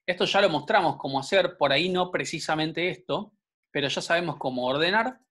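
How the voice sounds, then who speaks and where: A man teaches a programming class online. He explains step by step and keeps checking whether the students follow. His voice sits a little higher than most men's. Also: a little fast, a bit bright. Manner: patient, explanatory, frequent check-ins with students.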